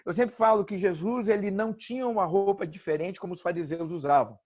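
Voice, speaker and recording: A Brazilian pastor, a man preaching an informal sermon with joking stories and animated asides. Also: sits high, a little fast. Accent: Brazilian Portuguese.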